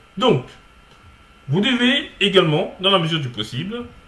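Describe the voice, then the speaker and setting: A man with a Cameroonian accent speaks with very wide pitch swings. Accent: Cameroonian accent, worked on articulation. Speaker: online course instructor. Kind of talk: tutorial.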